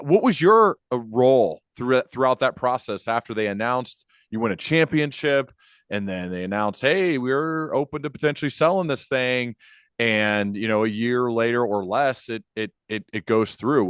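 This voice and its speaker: A man's voice: medium pitch, animated, normal speed, a bit bright, smooth, dry recording. Man, podcast interviewer, mid-range voice, informal conversational phrasing, dry room-free recording.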